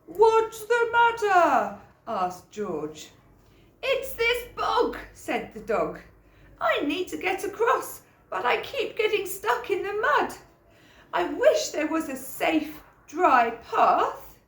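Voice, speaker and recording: A high-voiced woman reads a children's storybook theatrically. Her pitch swoops widely, she takes her time, and the room echoes. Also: sing-song, takes it slowly, a bit bright. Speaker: school staff member reading a picture book. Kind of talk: children's storybook read-aloud.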